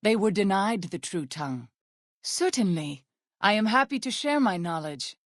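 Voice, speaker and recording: A woman acts out an earnest tribal midwife for a video game. She speaks at a medium pitch in formal, measured sentences with solemn reverence. The sound is close and dry, with no room around it. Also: big pitch swings, no room sound, natural voice. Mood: warm, reflective. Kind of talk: video game character dialogue.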